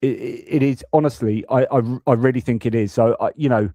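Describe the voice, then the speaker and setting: A man's voice: medium pitch, fairly quick, mellow, no room sound, clean studio sound. A young British man hosting a live news stream, talking casually and ranting about politics, often restarting his sentences. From United Kingdom. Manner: ranting, frequent restarts and stammered repeats.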